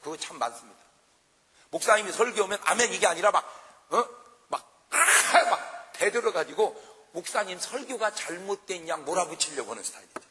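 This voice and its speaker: Male revival pastor, animated preacher with a sharp, forceful tone, recorded live in a reverberant church. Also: high-pitched, moderate pace. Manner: animated, jokes and acts out quarrels for the congregation. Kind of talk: revival sermon. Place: large church revival meeting.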